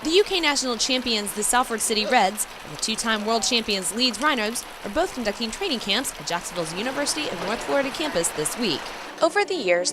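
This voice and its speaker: A woman reading scripted news narration as a multimedia reporter. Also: a little high.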